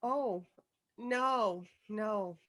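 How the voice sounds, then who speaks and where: A woman's voice: medium pitch, extremely slow, fairly bright tone, rough recording. A woman playing an earnest, anxious young schoolgirl in a script read, speaking hesitantly and politely. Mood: nervous, polite. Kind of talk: virtual table read of a film script.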